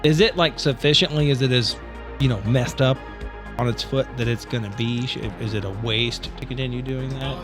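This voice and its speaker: A man's voice: medium pitch, a little fast, music in the background. Rambling man playing a tabletop game. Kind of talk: casual game chat.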